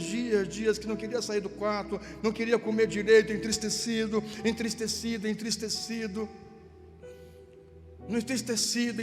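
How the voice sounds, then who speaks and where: Very high-voiced gaúcho pastor preaching. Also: male voice. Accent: Rio Grande do Sul gaúcho Portuguese. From southern Brazil. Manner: repeats words for emphasis, acts out dialogue. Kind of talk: sermon storytelling. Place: church. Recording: long church reverb, faint music behind.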